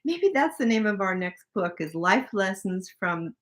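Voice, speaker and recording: An older woman co-hosting a live stream, chatting casually and plugging the show with upbeat, warm-hearted energy. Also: mid-range voice, big pitch swings, normal speed. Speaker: livestream co-host. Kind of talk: casual livestream chat.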